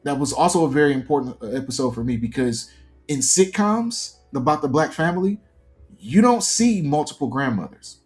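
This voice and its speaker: A man's voice: medium pitch, lively intonation, normal speed, a little mellow, faint music behind. A man in his early forties giving earnest, reflective, detailed answers as a guest in a conversational interview. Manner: earnest, reflective, explains at length. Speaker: interview guest, fiction podcast creator.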